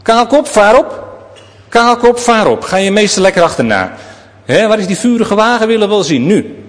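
Guy doing mocking young men, high sing-song taunts, bouncy pitch, echoey hall. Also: animated, moderate pace. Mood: taunting. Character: jeering young men mocking a bald prophet.

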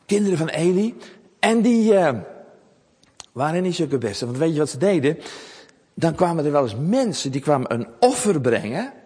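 A man telling a Bible story to children in a lively, animated way, often asking them questions. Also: fairly high pitch, moderate pace, slightly rough, big-room sound.

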